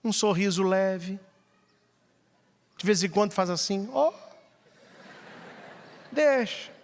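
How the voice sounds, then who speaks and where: A Brazilian man preaches a sermon to a large crowd, his voice pitched high for a man and swinging widely as he teaches. He slips into humorous little exchanges between spouses to make his points. The sound carries a long reverb from a big hall. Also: takes it slowly. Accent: Brazilian Portuguese. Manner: animated preaching, acts out couples' voices with humor. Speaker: priest. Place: large event venue.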